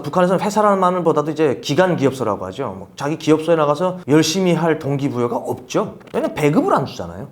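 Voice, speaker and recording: A middle-aged man from North Korea speaks quickly in a casual interview. His pitch rises and falls a great deal, and he often breaks into laughter as he tells his stories. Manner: animated, laughs while telling anecdotes. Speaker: interview guest.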